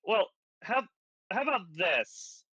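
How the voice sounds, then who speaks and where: A man playing a tabletop game over an online call, his voice choppy and breaking up, halting as he searches for words. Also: high-pitched, big pitch swings, pushed and bright, breathy edge, no room sound. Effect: choppy, breaking-up online call audio. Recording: dull, distant voice over a weak internet call.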